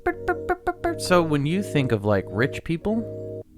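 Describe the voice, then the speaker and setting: A man's voice: on the high side, wildly swooping pitch, normal speed, music in the background. A young man co-hosting a casual podcast, reading facts from his notes with stumbles and laughing at his own pronunciations. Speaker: podcast co-host. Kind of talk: casual storytelling chat.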